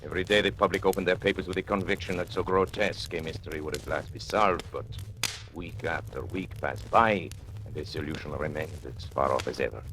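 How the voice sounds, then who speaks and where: A sinister confidential agent who taunts his former employers with mocking menace. The voice is very deep and theatrical, in old-time radio style. Faint hiss sits under the recording. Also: a little fast. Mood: calm. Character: sinister male confidential agent turned blackmailer. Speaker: narrator. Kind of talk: 1940s radio acting.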